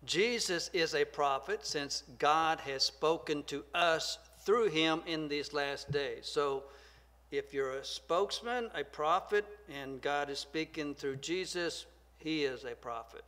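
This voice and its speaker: Older Southern man, soft-spoken Bible teacher at a lectern mic, slightly high voice, church room reverb. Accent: Southern American. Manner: soft-spoken, measured and deliberate, reads scripture aloud. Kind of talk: Bible study lecture. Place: church classroom, at a wooden lectern. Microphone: lectern microphone.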